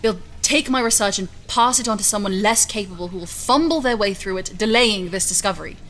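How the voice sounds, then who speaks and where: An actress playing a stubborn, confident scientist in an audio drama, speaking in an assured, articulate, insistent way. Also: female voice, medium pitch, fairly quick, a bit bright, lightly acted. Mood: defiant. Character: driven, stubborn female scientist, defiant and confident. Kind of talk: audio fiction acting.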